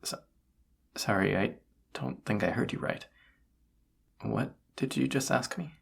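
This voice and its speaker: A young man playing a flustered, lovestruck incubus in an intimate romantic audio roleplay, speaking haltingly in a breathy, husky voice. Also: fairly low pitch, full character voice. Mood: nervous, confessing. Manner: halting, hesitant delivery with stammers.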